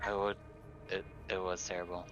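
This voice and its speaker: A man's voice: deep voice, level tone, moderate pace, a bit bright, soft background music. A man playing a tabletop game, talking in a casual, joking way.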